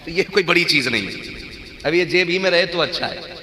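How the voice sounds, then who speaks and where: A religious speaker delivers a sermon to a live gathering, bantering with the crowd and calling out slogans for them to answer back. His bright, cutting voice is on the high side, expressive and brisk, ringing through a large echoey hall over a PA.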